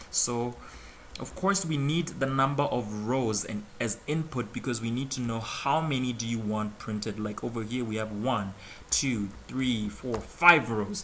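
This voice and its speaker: A man at a fairly slow pace with ordinary pitch variation, amid audible room echo and noticeable background noise. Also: medium pitch for a man. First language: not English. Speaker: coding tutor, channel host. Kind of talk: tutorial. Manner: casual, hesitant with fillers.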